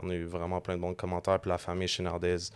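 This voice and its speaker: A man's voice: deep voice, monotone, quick pace, smooth, no room sound. A man with a Québécois French accent, a band member chatting on a podcast and mixing English slang into his French. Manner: switches freely between French and English slang. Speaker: band member and lead vocalist, guest. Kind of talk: casual podcast conversation. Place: podcast studio.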